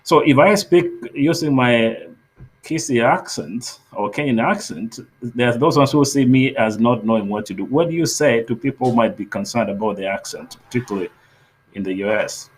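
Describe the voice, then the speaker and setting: A man hosting an interview, asking long, measured questions that frame each topic. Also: mid-range voice, husky, poor audio. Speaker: host.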